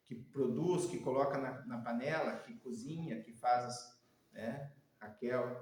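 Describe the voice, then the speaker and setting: A man's medium-pitched voice at a very slow pace, with big swings in loudness, ordinary pitch variation and audible room echo. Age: 60s. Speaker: spiritist study group speaker. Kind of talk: spiritual talk. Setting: spiritist centre.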